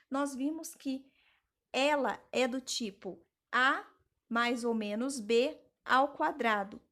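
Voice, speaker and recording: A young woman with a high voice walks students through a math lesson. She speaks slowly and patiently, explaining each step. She talks to the class directly and keeps a friendly teaching tone. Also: a bit bright. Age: young adult. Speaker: teacher intern.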